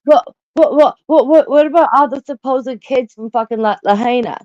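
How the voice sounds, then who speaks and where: A woman's voice: high voice, moderate pace, a little mellow, no room sound. A woman hosting a reaction chat who stutters, repeats words and swears freely. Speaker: host reacting to an interview. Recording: dull lo-fi dry sound.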